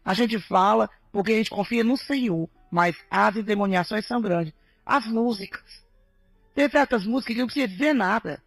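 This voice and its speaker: A woman missionary telling her testimony as an animated sermon, often addressing the listeners as brothers. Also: mid-range voice, moderate pace, no room sound, soft background music. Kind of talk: preaching testimony to a congregation.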